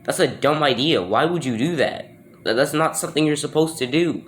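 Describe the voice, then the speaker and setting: A man's voice: fairly high pitch, lively intonation, a little fast, a bit bright, slight background noise. A man giving casual, unscripted reaction commentary in a questioning, incredulous, literal-minded way.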